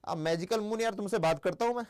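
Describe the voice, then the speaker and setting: This is a young man teaching a class on a live stream, and his voice sits high and light. He chats easily, switches between Hindi and English, and quizzes the class aloud. He drops his pace to dictate the important points. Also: fast talker, a little mellow. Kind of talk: live-stream exam lesson.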